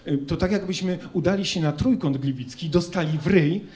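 A man's voice: on the high side, a little fast, darkish tone. A young man performing an ironic, conversational stand-up comedy monologue on stage into a handheld mic. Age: young adult. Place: student club stage in front of an audience. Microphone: handheld microphone.

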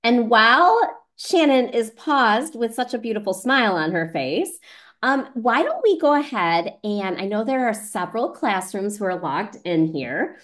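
A woman's voice: fairly high pitch, sing-song, measured pace, fairly bright tone. A woman casually hosting a video call in a reassuring, encouraging way. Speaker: online event host.

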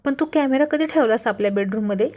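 A woman's voice: a little high, fast, dark tone, natural voice. Woman reading as a playful young husband. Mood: puzzled. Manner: teasing, pleading. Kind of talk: storybook reading.

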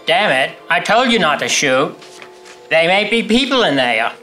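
A man's voice: a little high, sing-song, normal speed, pushed and bright, faint music behind. An older man on stage playing a brusque, commanding small-town police chief in a radio play. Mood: barking orders. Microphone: stand microphone.

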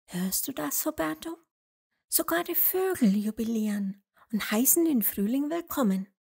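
Woman as small female lamb, high-pitched, sweet, gentle, wondering, children's story character. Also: expressive, moderate pace, vocal fry, slightly rough, full character voice. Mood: delighted.

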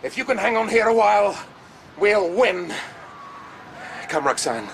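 An actor playing an urgent military officer in a radio drama, with a raised, commanding delivery. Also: male voice, sits high, lively intonation, measured pace, heavily acted. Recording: clear battle noise behind voice.

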